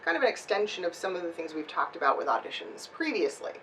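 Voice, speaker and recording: A woman's voice: on the low side, very animated, quick pace, sharp tone, distant mic, a little hiss or hum, poor audio. A woman giving instructional tips to camera as a voice-over coach and host, emphatic and speaking directly to her viewers. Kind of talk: instructional video talk to camera.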